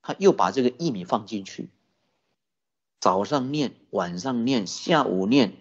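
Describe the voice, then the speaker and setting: Husky, lively Buddhist preacher. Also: mid-range voice, unhurried. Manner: animated storytelling with rhetorical questions. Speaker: Buddhist teacher. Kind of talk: sermon. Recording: dull lo-fi recording.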